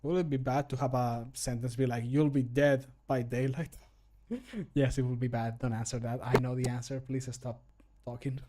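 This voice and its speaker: A man's voice: mid-range voice, fairly even intonation, normal speed, dark tone. A man in his thirties chatting casually and jokingly on a livestream, close to the microphone at home. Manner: jokey, self-mocking. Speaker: streamer and mod voice actor. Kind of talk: casual livestream chat while recording. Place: small home room, indoors.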